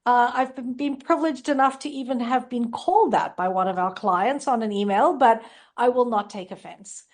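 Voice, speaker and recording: South African woman, chatty and bright-voiced. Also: on the high side, normal speed. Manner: chatty, warm-humored, with frequent ums. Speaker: guest, franchise marketing consultant. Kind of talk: casual interview chat.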